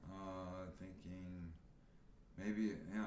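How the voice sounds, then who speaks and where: This man's speech carries audible room echo. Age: 50s. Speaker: podcast guest. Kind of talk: casual chat. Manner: halting.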